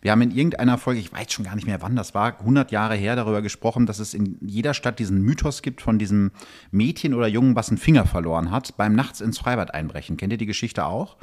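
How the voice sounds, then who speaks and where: A man's voice: on the low side, quick pace, a little mellow. A man chatting casually as a podcast guest, telling stories in an anecdotal, conversational way. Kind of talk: casual chat.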